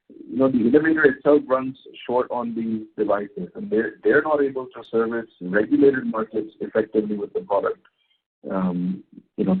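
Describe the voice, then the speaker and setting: A man answering questions as a company executive on a conference call, speaking in halting, unscripted phrases. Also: on the low side, slightly rough. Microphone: phone conference call. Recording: tinny narrow phone line.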